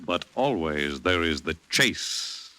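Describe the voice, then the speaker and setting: A man announcing the opening of a vintage radio drama in a formal, measured delivery. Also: extremely low pitch, big pitch swings, very noisy. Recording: old radio transcription with music.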